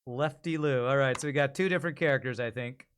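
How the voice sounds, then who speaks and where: A man's voice: medium pitch, quick pace, slight background noise. A man in his forties chatting casually on a livestream, thinking aloud as he reads and reacts. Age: 40s. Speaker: streamer and amateur voice actor.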